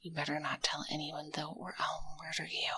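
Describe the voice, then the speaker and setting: A woman's voice: sits low, completely flat delivery, slight background noise. A woman playing a grumpy young tomboy who works as a secret ASMR artist, whispering breathily into a close binaural microphone in a roleplay. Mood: annoyed, curt. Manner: slow, hushed, soothing service talk with curt asides.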